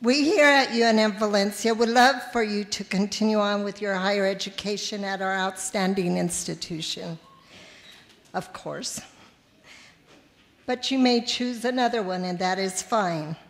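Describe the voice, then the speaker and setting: A woman's voice: mid-range voice, moderate pace. Woman giving formal congratulations in a hall. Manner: warm, congratulatory. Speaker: advisory board secretary. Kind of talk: formal greeting speech. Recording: long hall reverb.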